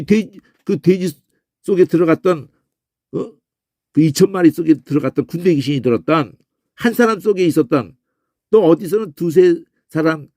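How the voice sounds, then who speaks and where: A man teaching a Bible word-study lecture, animated, often breaking into a questioning "eh?" and imitating crow calls and shouts. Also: a little high, no room sound, clean studio sound.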